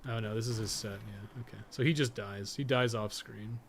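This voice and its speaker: A man's voice: lowish voice, fairly even intonation, normal speed. Profane man commentating a game, noisy background. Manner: profane, thinking aloud. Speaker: game streamer and guide writer. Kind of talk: casual live gameplay commentary.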